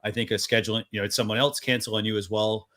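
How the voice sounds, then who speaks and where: A man's voice: on the low side, level tone, quick pace, bright, forceful tone. Guy hosting a weekly web talk show, easygoing and chatty, lots of ums and you knows. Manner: friendly, loose, many fillers.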